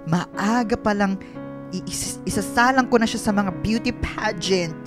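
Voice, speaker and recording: An actor in a radio drama playing an excitable, effeminate gay Filipino expectant father, campy and melodramatic, mixing in English and girly slang. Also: mid-range voice, a little slow, over music, natural voice. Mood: doting, playful.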